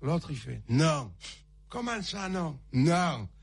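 High-voiced man telling a joke softly. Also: sing-song, slow, creaky, slightly rough. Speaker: joke teller. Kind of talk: telling jokes aloud.

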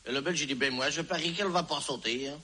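A man with a bright, forceful voice that sits a little high. He tells a joke in a loose, rambling way and keeps circling back with fillers. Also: quick pace. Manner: rambling, with many fillers and restarts. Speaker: joke teller. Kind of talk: telling jokes aloud.

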